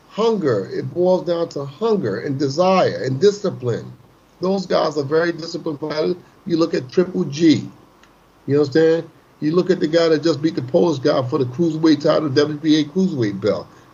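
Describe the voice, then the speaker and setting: A man with an ordinary speaking voice talks at a moderate pace, his pitch fairly high with ordinary variation. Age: 60s. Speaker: boxing trainer. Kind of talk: casual interview. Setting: online call.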